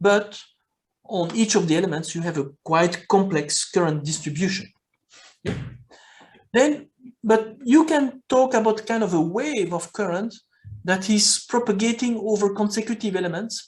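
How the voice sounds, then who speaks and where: In a Belgian accent, the speaker keeps a moderate pace broken by long, frequent pauses. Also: man, high pitch for a man, lively intonation. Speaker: engineering professor. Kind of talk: lecture. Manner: halting.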